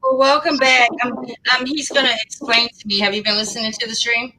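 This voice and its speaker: A woman hosts a casual livestream in a bright, forward voice pitched a bit high. She keeps the talk moving with quick, friendly questions and laughs readily. Her tone is easygoing and conversational. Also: poor audio. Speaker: livestream host. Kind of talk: casual chat.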